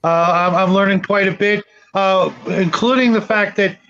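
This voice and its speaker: Male panel host, high voice, thoughtful and long-winded, slightly halting, on dull low-fidelity audio. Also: steady tone, pushed and bright. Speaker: host leading a panel discussion. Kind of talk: casual discussion of tabletop role-playing games.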